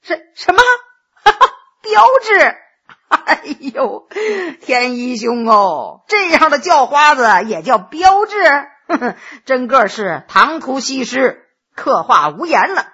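A woman's voice: fairly high pitch, very animated, takes it slowly, bright, forceful tone, breathy edge, highs cut off, heavily acted. A woman doing a jovial boastful male scholar. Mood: mocking. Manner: teasing, boastful, many interjections. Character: jovial scheming male scholar, middle-aged.

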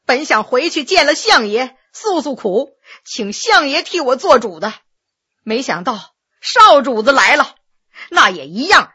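A woman's voice: sits high, sing-song, unhurried, bright, forceful tone, breathy edge, heavily acted. Woman voicing a stammering nervous magistrate. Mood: rueful. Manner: stammering, sighing, pleading. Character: humble nervous male county magistrate, middle-aged.

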